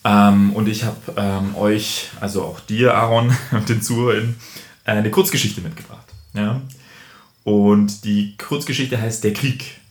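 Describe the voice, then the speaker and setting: A man's voice: lowish voice, steady tone, unhurried, echoey room. A man co-hosting a podcast, talking reflectively with many fillers and then reading a short story aloud. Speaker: podcast co-host. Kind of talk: casual conversation and story reading.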